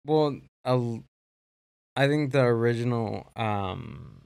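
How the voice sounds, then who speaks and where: A man's voice: mid-range voice, lively intonation, vocal fry, a little mellow, clear, resonant tone, no room sound. A man hosting a casual podcast chat, rambling and restarting his sentences often in a studio. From Mexico. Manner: rambling, halting, many restarts. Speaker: podcast host.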